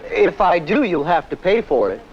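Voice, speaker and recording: A man's voice: sits high, very animated, normal speed. An actor playing an obtusely literal-minded, earnest male gas station attendant in an old educational film. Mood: earnest, puzzled. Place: outdoors at a service station. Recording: muffled, hissy outdoor film soundtrack.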